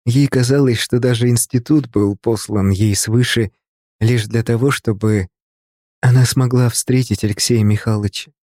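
A male narrator reads a novel in a calm, measured storytelling voice. His tone is warm and mellow, at an everyday pitch. The sound is dry and close, with no room around it. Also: no room sound. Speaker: audiobook narrator.

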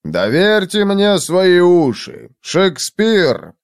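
Guy doing a loud pompous showman, high and booming, audiobook. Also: sing-song, very slow, clean tone, dry recording, studio quality, exaggerated voice. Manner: pompous, bellowing. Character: flamboyant rich male showman, pompous and loud.

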